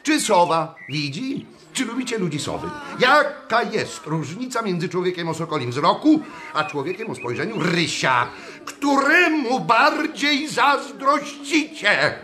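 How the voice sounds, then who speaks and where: Casting: theatrical schoolmaster, high voice, slow deliberate pace, pedantic radio-play manner. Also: male voice, very animated, bright, forceful tone, slight background noise, full character voice. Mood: pedantic, needling. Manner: theatrical, questioning classroom delivery. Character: agitated schoolteacher, Mr Laurent, pedantic and darkly cheerful. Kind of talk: radio drama acting.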